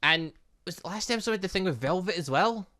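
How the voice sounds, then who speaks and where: A man's voice: sits high, lively intonation, fairly quick, sharp tone. A man giving casual, rambling let's play commentary as a gaming YouTuber, chatting away and often interrupting himself.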